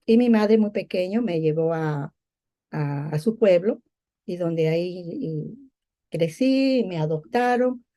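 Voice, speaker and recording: Middle-aged female testimony speaker from Peru: warm dark timbre, slightly low pitch, halting conversational delivery with frequent repeats. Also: animated. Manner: halting, searching for words with repeats. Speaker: guest giving testimony. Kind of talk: personal religious testimony, conversational.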